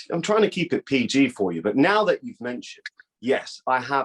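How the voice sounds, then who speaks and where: A man with an English accent and very wide pitch swings, in a dry, close sound with no echo. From England. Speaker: entrepreneur and crypto investor. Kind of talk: casual chat. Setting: smoking cigars during interview.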